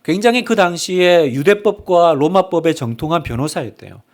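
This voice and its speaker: A man's voice: a little high, animated, normal speed. A middle-aged man preaching a Sunday sermon as a pastor, asking the congregation questions and acting out quoted dialogue. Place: church sanctuary.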